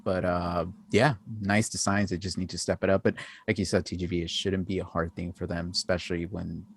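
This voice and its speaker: A man's voice: low-pitched, level tone, brisk, no room sound. A man hosting a watch podcast in casual chat, agreeing often and chiming in. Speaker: podcast host.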